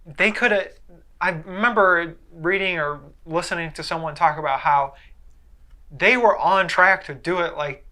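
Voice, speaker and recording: Guy cohost just chatting, kinda high voice, really bright and punchy. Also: unhurried. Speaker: show co-host. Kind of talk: casual chat about video game movies.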